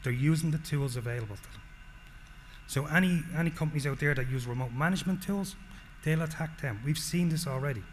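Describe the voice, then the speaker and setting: A man's voice: a little high, brisk. Irish man presenting in a hall. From Ireland. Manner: explanatory, frequent "okay?" check-ins. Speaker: solutions engineer presenting. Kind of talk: conference presentation. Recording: long hall reverb, faint noise.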